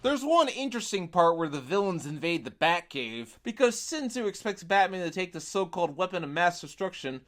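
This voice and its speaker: A man with a high, very animated voice narrates a scripted video game review. He is opinionated and drops in wry, sarcastic asides. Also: fairly quick, hardly any pauses.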